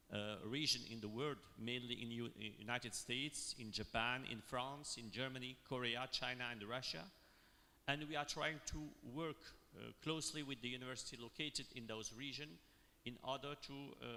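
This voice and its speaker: A man from Morocco speaking on a panel, halting and full of fillers and restarts. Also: mid-range voice, pushed and bright. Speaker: university panelist. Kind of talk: panel discussion remarks. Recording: long hall reverb.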